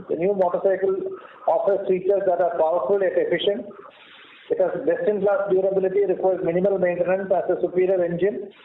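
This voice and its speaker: A man with an Indian accent, a company executive giving formal, measured prepared remarks on an earnings call, stumbling now and then. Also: high voice. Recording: muffled, echoey conference call line with noise.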